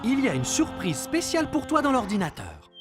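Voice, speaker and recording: A woman's voice: fairly high pitch, huge pitch swings, a little fast, over music. A woman playing a patient, reassuring cartoon mother who explains things to a young child. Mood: upbeat.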